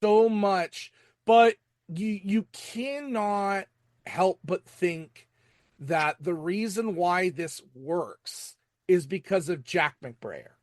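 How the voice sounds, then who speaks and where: A man hosting a casual podcast recap, talking in a halting way and often repeating words as he goes. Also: high-pitched, no room sound, studio quality. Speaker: podcast host reviewing TV episodes. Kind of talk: casual episode recap and commentary.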